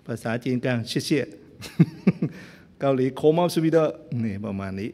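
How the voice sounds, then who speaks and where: A man's voice: mid-range voice, lively intonation, takes it slowly, creaky, warm tone. A man, a Buddhist monk, giving a sermon that retells an old story, with playful joking asides to his listeners. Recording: long hall reverb.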